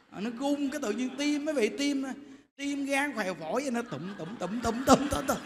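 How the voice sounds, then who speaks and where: A man delivers a Buddhist sermon, animated and chatty with his audience. His voice sits high and sounds bright and sharp. The recording carries a long hall reverb and a faint hiss. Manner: lively, animated storytelling, addresses the audience directly. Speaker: Buddhist monk giving a dharma talk. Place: temple hall. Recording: echoey hall with faint noise.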